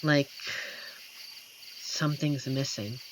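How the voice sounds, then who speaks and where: A gentle, lonely werewolf played by a voice actor speaks slowly in a medium-pitched voice, tender and a little corny. It is an intimate roleplay audio, with hesitant pauses and clear night insects chirping behind. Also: fairly even intonation, noisy background, natural voice. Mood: wistful. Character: amiable, gentle, lonely werewolf forest protector comforting a stranger. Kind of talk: scripted roleplay audio addressed to the listener. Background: crickets and forest night ambience.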